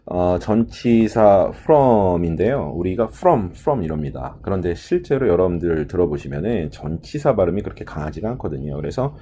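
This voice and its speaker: A man's voice: low voice, big pitch swings, brisk, few pauses, mellow, slight background noise. A man teaching a listening lesson for an English test, explaining answers step by step with many short filler words and spoken pronunciation examples. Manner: filler-heavy lecturing, frequent "ja" and "ye". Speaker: TOEIC listening instructor.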